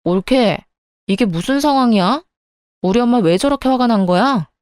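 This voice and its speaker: A woman's voice: fairly high pitch, animated, moderate pace, darkish tone, no room sound, lightly acted. A woman voicing an entitled sister-in-law in an audio drama, whiny and demanding. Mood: puzzled.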